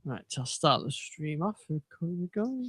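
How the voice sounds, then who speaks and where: A man with a notably high voice, hosting a relaxed tech podcast. He meanders through his points with plenty of ums and false starts. The sound is dry and close-miked. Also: moderate pace, no echo. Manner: meandering, many ums and restarts. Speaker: podcast host. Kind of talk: casual tech chat.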